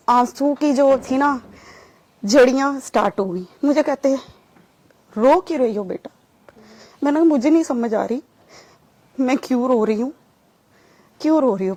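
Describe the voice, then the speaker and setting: A woman giving a personal testimony in an interview, telling her story with lively acted-out dialogue. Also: a little high. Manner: animated storytelling, acting out remembered dialogue.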